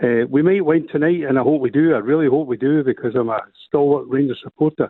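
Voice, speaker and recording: Someone with a Scottish accent talks at a very fast pace with very even loudness. Pitch varies in an ordinary way. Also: man, fairly high pitch for a man. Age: 60s. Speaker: football fan caller. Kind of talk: radio phone-in call.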